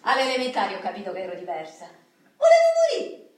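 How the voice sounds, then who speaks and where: A woman's voice: medium pitch, wildly swooping pitch, fast, a little mellow, a little hiss or hum. An actress playing a feisty disabled communist woman with a Roman accent, telling her story colloquially in a theatrical radio play. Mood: animated, wry. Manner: vivid, colloquial storytelling, acting out quoted people. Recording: echoey hall, distant mic, clicks.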